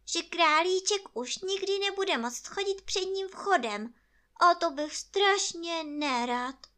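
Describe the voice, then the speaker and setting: A woman voicing a naive, greedy bear cub with a high, squeaky, plaintive voice in a storybook reading. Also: animated, fairly bright tone. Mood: relieved.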